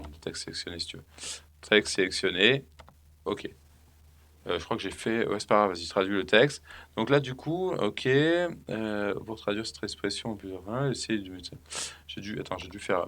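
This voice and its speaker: Low-voiced man rambling through a tutorial. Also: moderate pace, fairly bright tone. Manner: rambling, thinking aloud with many fillers. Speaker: software trainer. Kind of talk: casual screen-recorded tutorial.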